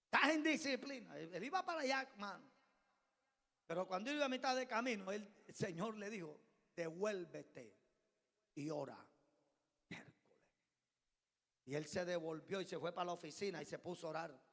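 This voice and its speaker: A man preaches fervently, shifting from quiet storytelling to shouted appeals to the congregation. His voice is very high and bright, and cutting. A long church reverb trails his words. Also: lively intonation, brisk. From Colombia. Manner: storytelling sermon, rising to shouted exhortation. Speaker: pastor. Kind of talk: sermon. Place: church hall.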